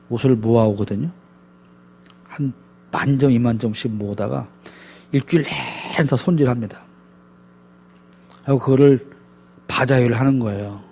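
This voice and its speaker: A man's voice: medium pitch, mellow, husky. A man preaching a sermon as a pastor, emphatic and full of rhetorical questions to his congregation.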